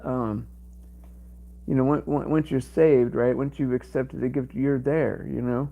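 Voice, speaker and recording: A man hosting a livestream in casual chat, his voice strained and cracking, rambling and halting with many fillers. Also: medium pitch, steady tone, vocal fry, narrow, tinny audio. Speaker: livestream host.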